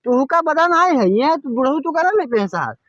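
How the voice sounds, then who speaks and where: A man playing a village honey seller in a rustic comedy sketch, haggling in a pushy, quick way. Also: very high-pitched, very animated, dull audio, noisy background.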